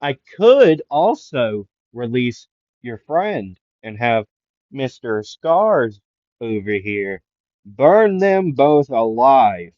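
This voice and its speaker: A man's voice: mid-range voice, big pitch swings, drawn-out words, a little mellow, no echo, highs cut off. A man voicing a smug male villain magician in a mock Italian mafia-style voice, drawling his taunts. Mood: taunting.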